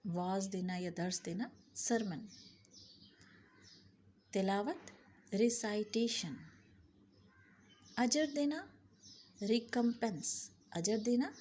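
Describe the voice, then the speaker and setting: A woman teaching English vocabulary, saying each word pair twice and the English words slowly. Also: mid-range voice, dark tone, a little hiss or hum. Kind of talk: vocabulary lesson.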